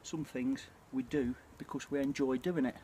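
A British man in his forties chatting casually and reflectively to camera, with a hesitant, throat-clearing delivery. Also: mid-range voice, steady tone, moderate pace, dark tone. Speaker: bushcraft vlogger. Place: outdoors at night by a small campfire. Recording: clear ambient noise of an outdoor campfire.

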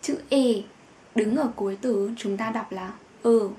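A woman teaching German pronunciation in a patient lesson, with drawn-out fillers and each example word said twice. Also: fairly high pitch, dark tone, slight background noise. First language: Vietnamese.

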